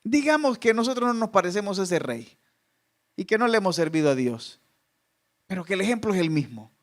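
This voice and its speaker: A man's voice: high voice, big pitch swings, brisk. A male pastor preaching a fervent sermon, exhorting the congregation with repeated questions.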